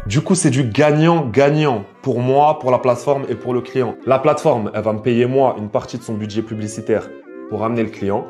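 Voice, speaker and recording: Young man in his twenties, vlog monologue, boastful, self-assured, mid-pitched voice, faint music behind. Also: fairly quick, darkish tone. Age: 20s. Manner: boastful, self-assured, addresses viewers directly. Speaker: influencer and investor. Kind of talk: direct-to-camera vlog monologue.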